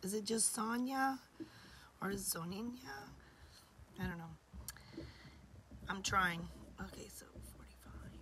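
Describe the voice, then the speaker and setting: A woman in her forties hosts a live jewelry sale from her home desk, her voice hoarse and half gone so she keeps slipping into whispers. She speaks slowly and warmly to her viewers. A steady hiss of noise sits under the webcam sound. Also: medium pitch. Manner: chatty and affectionate, often drops to a whisper. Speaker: jewelry seller hosting a live stream. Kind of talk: live-stream sales chat. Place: indoor home studio.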